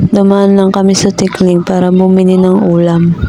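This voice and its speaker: Against noticeable background noise, a woman talks at a fairly slow pace with monotone, flat intonation. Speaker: vlogger. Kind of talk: casual vlog narration. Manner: flat, lifeless.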